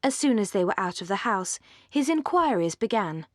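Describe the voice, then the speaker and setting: Measured woman reading a classic novel. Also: mid-range voice, sing-song, no room sound, studio quality. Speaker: audiobook narrator.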